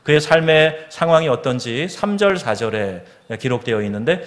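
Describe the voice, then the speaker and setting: A Korean man, a pastor, delivers a Sunday sermon at an ordinary middle pitch. He asks his listeners questions and reads scripture slowly and solemnly. His voice rings out with the long reverb of a church sanctuary. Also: expressive, fairly bright tone. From South Korea.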